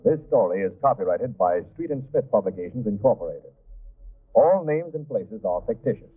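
A man's voice: lowish voice, expressive, moderate pace, soft background music. A man speaking as an old-time radio announcer, reading a formal scripted notice. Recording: muffled, tinny old radio broadcast.

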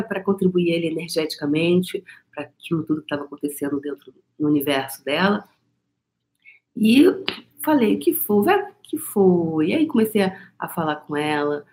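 Brazilian woman vlogger, lower register, easygoing storyteller who keeps checking in with her viewers. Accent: Brazilian Portuguese. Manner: chatty storytelling, frequent tag questions and laughs. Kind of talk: casual spoken monologue to viewers.

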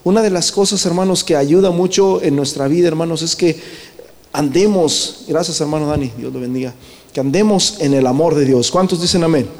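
A man with a high voice preaches a sermon to his congregation, often stopping to ask them questions. The long reverb of the church hall rings around every phrase. He drops the English word "brother" into his Spanish here and there. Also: brisk, a little mellow. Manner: questions the congregation often, tagging lines with "¿verdad?".

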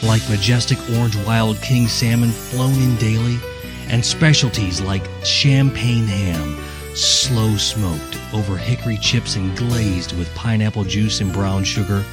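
A man's voice: lowish voice, unhurried. An American man reading scripted radio promos and adverts as a voice-over. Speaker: commercial and imaging voice-over. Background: music.

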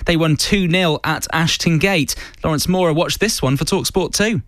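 A man's voice: fairly high pitch, normal speed, a bit bright, no room sound. A British man presenting live sport on the radio from a studio, with an emphatic broadcast delivery. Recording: music behind the voice. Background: music.

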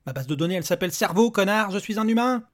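A volatile, desperate father who keeps exploding into cursing tirades, as a male reader acts him out. His husky voice pushes up high and loud whenever his temper breaks. It is a dark storybook reading. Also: fast talker. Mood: furious. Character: volatile desperate human father, furious then broken.

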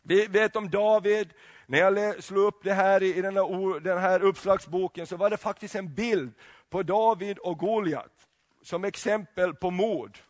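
High-voiced guy preaching, lots of restarts, asks the crowd questions. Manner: halting, many restarts and rhetorical questions. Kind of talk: sermon.

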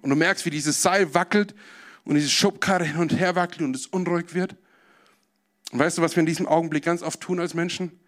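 Male preacher, high voice, vivid storytelling sermon that speaks straight to the audience. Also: fairly even intonation, brisk. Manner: vivid, addresses listeners directly.

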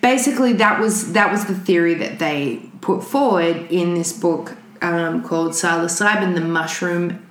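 A woman co-hosting a casual podcast, talking in animated bursts, swearing freely and often restarting her sentences. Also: on the low side. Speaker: podcast co-host. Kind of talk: casual chat. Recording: roomy echo.

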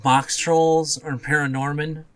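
A man's voice: fairly high pitch, flat delivery, unhurried. A man co-hosting a podcast, chatting casually about games and films, often briefly agreeing or offering suggestions. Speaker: podcast co-host.

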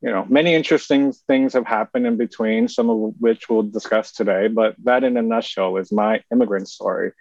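A man from South Korea hosts a podcast with measured, polished delivery. His voice sits dry and close to the mic. The sound is a touch dull and lo-fi. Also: lowish voice, steady tone, gravelly, a little mellow, dry recording. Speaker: podcast host. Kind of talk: scripted podcast intro and chat. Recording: slightly dull lo-fi audio.

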